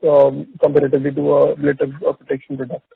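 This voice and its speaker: A gravelly, husky man phones in as an analyst. He puts his questions in a halting, wordy way over a tinny telephone line. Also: on the high side, completely flat delivery, no echo. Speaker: analyst caller. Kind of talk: asking questions on earnings call.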